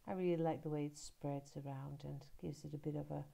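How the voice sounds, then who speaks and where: A woman giving a relaxed, rambling voiceover about her art journal page, pausing often and filling gaps with little hesitations. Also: low voice, creaky. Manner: relaxed, rambling, with many pauses and fillers. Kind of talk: casual voiceover narrating her crafting. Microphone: voiceover recorded at her laptop.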